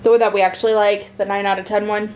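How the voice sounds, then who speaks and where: A woman co-hosting a casual podcast who speaks bluntly, swears, and drops quick reactions. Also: medium pitch, level tone, darkish tone, slight background noise, low-quality recording. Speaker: podcast co-host. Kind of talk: casual chat.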